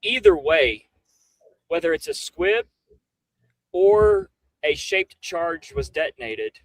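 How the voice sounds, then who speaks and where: A man's voice: on the high side, wildly swooping pitch, slow, gravelly, dry recording, poor audio. A man in a casual roundtable discussion, making his argument step by step. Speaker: livestream panelist.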